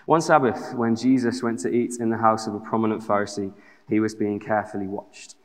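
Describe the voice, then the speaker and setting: A man's voice: fairly low pitch, level tone, fairly quick. A young man with a Black Country accent from the West Midlands, reading scripture and then telling chatty, self-deprecating stories in a sermon. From West Midlands, England. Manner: chatty, self-deprecating humour with many fillers. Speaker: preacher. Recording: long hall reverb.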